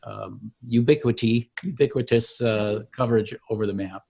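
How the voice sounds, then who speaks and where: A man founder demonstrating his software tool step by step in an easygoing, explanatory way. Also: fairly low pitch, gravelly, breathy edge. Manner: relaxed, explanatory, slows to show steps. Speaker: software founder giving a demo. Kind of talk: walkthrough of an online tool.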